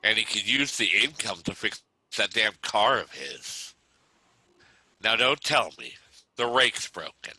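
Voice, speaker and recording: A man's voice: on the low side, expressive, unhurried, pushed and bright, breathy edge, dry recording, full character voice, poor audio. A man acting a grumbling, put-upon middle-aged suburban father in a comedy table read. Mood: matter-of-fact, irritated.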